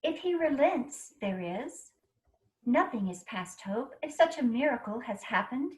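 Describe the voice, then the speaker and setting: A woman playing a gentle, anxious but hopeful young wife in an amateur dramatised reading. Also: on the high side, animated, measured pace, poor audio. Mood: hopeful, relieved.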